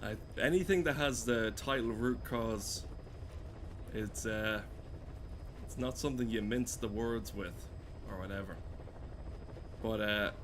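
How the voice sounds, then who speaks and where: A man's voice: fairly low pitch, unhurried, pauses often, fairly bright tone, a little hiss or hum. A man casually streaming a game, rambling and swearing with dry, joking commentary.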